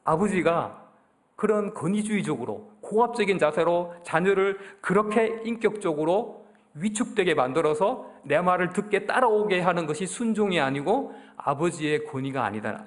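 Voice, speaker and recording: A man's voice: high voice, animated, normal speed. A middle-aged man with a Gyeongsang accent preaching a conversational sermon to his congregation, often putting questions to them. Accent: Daegu Gyeongsang Korean. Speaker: pastor. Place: church sanctuary.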